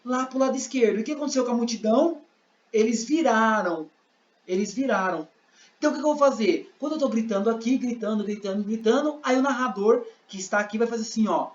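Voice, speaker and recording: A man's voice: very high-pitched, fast talker. A man with a Brazilian Portuguese accent giving a classroom lesson, explaining with examples and acting out scenes. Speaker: sign language interpreting teacher. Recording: roomy, dull lo-fi sound.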